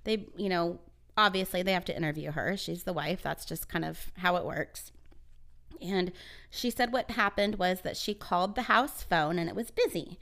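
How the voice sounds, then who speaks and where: A woman's voice: on the low side, moderate pace. A woman co-hosting a podcast, casually retelling a true crime story with many fillers and acted-out quotes. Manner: relaxed, uses many fillers, acts out quotes.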